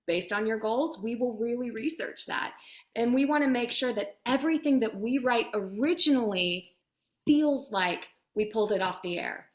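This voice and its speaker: As a guest in an interview, a woman describes her producing and directing work, sounding enthusiastic, chatty, and emphatic. Her voice is on the high side, at a moderate pace.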